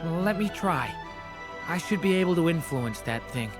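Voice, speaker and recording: An actor voicing an earnest, hopeful young mage with abyssal power in a game. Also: male voice, fairly high pitch, animated, moderate pace, natural voice. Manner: earnest, hesitant questions. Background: game music.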